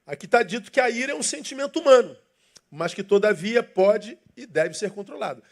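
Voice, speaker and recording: Brief: male pastor, high-pitched, emphatic sermon delivery full of rhetorical questions. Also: animated, brisk. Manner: emphatic and rhetorical, asking questions and leading the congregation in reading. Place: church.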